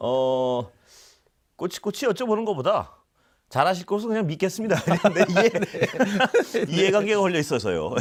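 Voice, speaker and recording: This man has a high pitch and lively intonation. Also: moderate pace. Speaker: talk show host. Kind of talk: interview questions.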